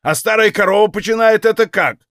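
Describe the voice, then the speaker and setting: A man voicing a furious, hot-tempered old Cossack father who shouts and curses. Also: high voice, a little fast, no room sound, studio quality, voice pushed up. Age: older. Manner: shouting, cursing, ranting.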